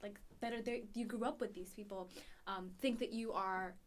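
A woman's voice: medium pitch, steady tone, moderate pace, a little hiss or hum. A woman in her twenties from Ethiopia, a student guest on a podcast, talking casually and searching for words as she reflects. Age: 20s. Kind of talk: casual interview.

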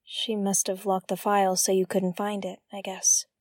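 A woman's voice: mid-range voice, little pitch movement, moderate pace, darkish tone, no echo, clean studio sound, lightly acted. A woman playing a young hacker in an audio drama, casual, colloquial and sympathetic. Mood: sympathetic, subdued.

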